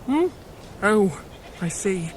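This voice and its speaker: A fretful, wary palace servant. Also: female voice, mid-range voice, big pitch swings, drawn-out words, a little hiss or hum, poor audio. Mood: worried. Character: anxious, cautious female palace servant. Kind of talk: audio drama acting.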